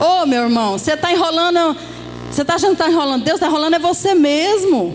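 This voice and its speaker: Over noticeable background noise and with audible room echo, a woman talks at an extremely high pitch with very even loudness. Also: ordinary pitch variation, fairly quick pace. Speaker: bishop and senior pastor. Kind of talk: sermon. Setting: church. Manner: animated.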